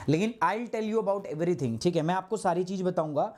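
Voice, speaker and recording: A man's voice: high-pitched, normal speed, a little mellow. A man teaching a live online class, chatty and scolding, who keeps checking in with his students as he switches between two languages. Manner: chatty and scolding, mixing Hindi and English, often saying "ठीक है".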